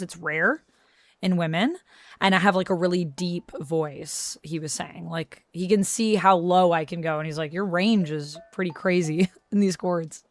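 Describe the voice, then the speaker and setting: A woman's voice: on the low side, a bit bright. A woman chatting casually on her live stream, reading chat messages aloud and replying to viewers. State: recovering from vocal strain.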